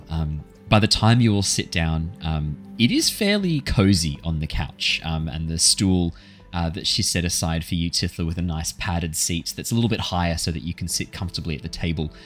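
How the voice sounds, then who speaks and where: A man with a very deep voice runs a tabletop game as dungeon master. He narrates scenes off the cuff, pausing and restarting as he goes. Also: lively intonation, a bit bright, soft background music. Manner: halting, improvised narration.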